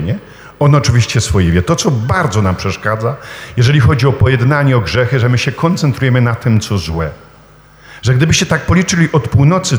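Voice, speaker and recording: A man preaches, his pitch rising and falling a great deal as he tells stories and throws questions to his listeners. His voice carries through a large hall with a long, echoing reverb. He mixes warm humor with emphatic appeals. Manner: lively storytelling with rhetorical questions and humor. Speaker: priest preaching. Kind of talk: sermon.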